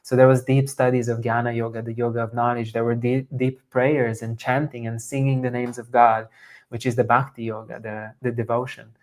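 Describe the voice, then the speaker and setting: Guy in his 30s telling his story, flat steady voice, earnest. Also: medium pitch, a little fast. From Slovenia. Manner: steady, earnest, even-toned. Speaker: guest, somatic coach. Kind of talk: storytelling in an interview.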